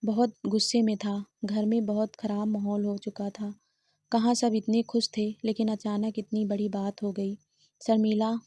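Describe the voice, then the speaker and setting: A woman's voice: medium pitch, dark tone, no room sound. A woman storyteller reading a family drama aloud, voicing every character in much the same voice. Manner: reads all characters in her own voice, little change. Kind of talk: scripted narration of a family drama.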